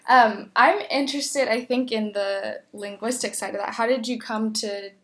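A woman's voice: fairly high pitch, steady tone, moderate pace. A woman hosting an interview, asking short questions and giving brief affirmations. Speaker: interview host. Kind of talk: hosted interview.

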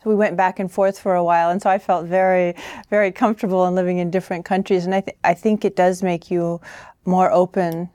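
A woman's voice: lowish voice, little pitch movement, fast, mellow, no echo, clean studio sound. A woman born in Austria, a novelist guest, answering interview questions thoughtfully with many fillers and restarts. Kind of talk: conversational interview.

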